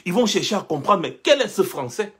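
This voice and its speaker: A man's voice: high voice, very animated, brisk, fairly bright tone, husky. A young man from Cameroon giving an impassioned monologue, rhetorical and insistent, repeating his points. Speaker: commentator.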